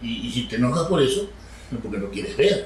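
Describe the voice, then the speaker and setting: Very fast speech comes through with noticeable background noise and audible room echo. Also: man. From Argentina. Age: 60s. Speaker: psychiatrist and lecturer. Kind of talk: lecture. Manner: halting.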